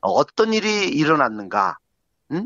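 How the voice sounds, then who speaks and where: This man sounds energetic, with very wide pitch swings. He talks at a fairly slow pace. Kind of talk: interview.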